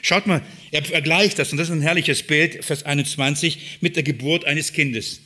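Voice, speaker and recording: A man delivers a sermon in a bright, forward voice that sits a little higher than most men's. He shifts between hushed, low passages and emphatic, raised ones as he reads scripture and explains it. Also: normal speed. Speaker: preacher.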